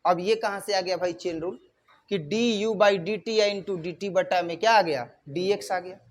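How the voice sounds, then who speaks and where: A man's voice: high-pitched, normal speed. A male maths teacher at a whiteboard, asking his students questions and then answering them himself, going over key terms more than once. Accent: Hindi-speaking north Indian. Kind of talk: whiteboard lecture.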